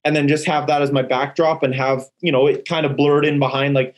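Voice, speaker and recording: A man from Canada with a slightly high voice talks as a podcast co-host. His style is casual and informal, like an unscripted chat between colleagues. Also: little pitch movement, a little fast. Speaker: podcast co-host, real estate agent.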